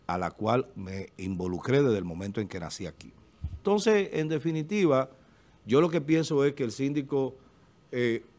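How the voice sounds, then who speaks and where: A man's voice: mid-range voice, darkish tone. A middle-aged man with a Dominican accent, giving emphatic political commentary as a TV panelist at a desk microphone. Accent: Dominican Spanish. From Dominican Republic. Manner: emphatic, gestures with hands, repeats filler eh. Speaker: panelist on a local TV talk show. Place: TV studio. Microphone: desk studio microphone.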